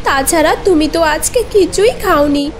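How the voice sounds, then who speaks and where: A woman's voice: high voice, normal speed, a little hiss or hum, natural voice. A woman voicing a caring, anxious cartoon mother bird in a pleading, earnest way. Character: caring, anxious mother tailorbird with tender devotion.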